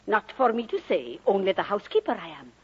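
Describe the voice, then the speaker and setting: An actress playing a gossiping old Welsh housekeeper, spiteful and insinuating, in 1940s radio acting. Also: female voice, medium pitch, very animated, fast, a little hiss or hum, close to an everyday voice. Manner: pointed, insinuating, lilting inverted phrases. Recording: muffled old radio broadcast.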